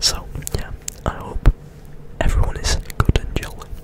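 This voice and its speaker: Whispering at a moderate pace. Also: man. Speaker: ASMR creator. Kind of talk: ASMR video. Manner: whispered, soft-spoken. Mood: cheerful festive. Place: home room. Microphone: studio mic.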